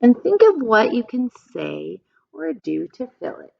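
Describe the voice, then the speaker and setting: A woman reading a picture book aloud to young children in an expressive, teacherly way, with simple phrasing and asides to her listeners. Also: a little high, unhurried, vocal fry. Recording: dull, lo-fi sound.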